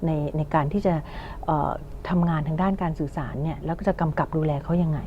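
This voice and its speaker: A woman hosting a panel discussion, long-winded and pausing to search for words. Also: low-pitched. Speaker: talk show host. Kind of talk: studio panel discussion, interviewing guests. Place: television studio. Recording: muffled sound with clear background noise.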